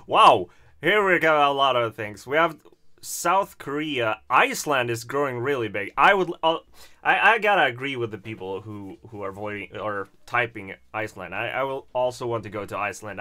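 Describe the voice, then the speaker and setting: A man's voice: mid-range voice, animated, moderate pace, sharp tone. A man, hosting a casual livestream chat and reading viewer comments in a chatty, self-deprecating way. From Sweden. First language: Swedish. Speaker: livestream host.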